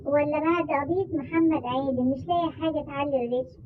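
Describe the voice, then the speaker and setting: A woman's voice: high-pitched, fast, slight background noise. A woman with an Egyptian Arabic accent ranting indignantly in a commentary vlog, scolding and repeating herself. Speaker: video creator. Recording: tinny phone-like audio.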